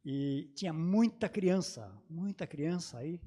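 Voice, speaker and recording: A man's voice: on the high side, lively intonation, warm tone, slightly rough. A man from southern Brazil, raised speaking a German dialect, telling his life story on a theology panel with many hesitations. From Brazil, grew up in Santa Catarina. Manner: halting, many hesitations and restarts. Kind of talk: personal recollection in a panel talk.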